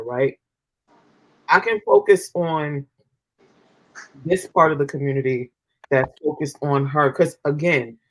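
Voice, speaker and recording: A man's voice: on the high side, a bit bright, low-quality recording. A man with a New York accent co-hosting a casual panel chat, rambling and full of fillers. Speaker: podcast co-host.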